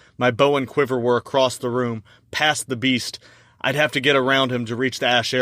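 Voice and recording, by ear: A natural read-aloud voice with fairly even intonation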